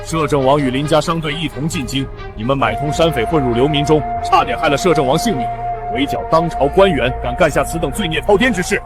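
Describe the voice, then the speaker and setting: A man's voice: on the high side, quick pace, close to an everyday voice. A man playing a stern, angry middle-aged marquis and father in a costume drama, scolding imperiously. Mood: furious. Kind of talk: costume short drama acting. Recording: music behind the voice.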